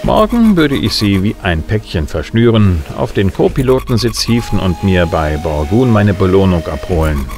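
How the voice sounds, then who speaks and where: An actor playing a cocky middle-aged bounty hunter who flirts smoothly and narrates wryly in a sci-fi audio drama. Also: male voice, low-pitched, sing-song, normal speed, few pauses. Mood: wry, laconic. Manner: wry, laconic. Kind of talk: first-person noir narration and dialogue in German sci-fi audio drama. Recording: music behind the voice.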